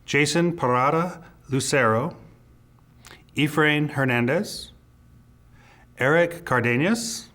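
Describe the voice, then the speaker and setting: Male principal, formal ceremony announcer, unhurried and measured through a list of names. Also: mid-range voice, fairly bright tone. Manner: formal, measured name reading. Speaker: school principal.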